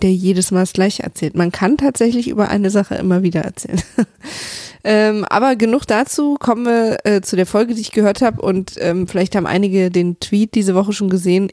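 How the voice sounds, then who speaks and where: A woman rambles through a casual podcast monologue from her home office, full of fillers and quick laughs. Her voice sits at an ordinary middle pitch. The sound is dry and close. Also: a little mellow, no echo. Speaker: podcast host.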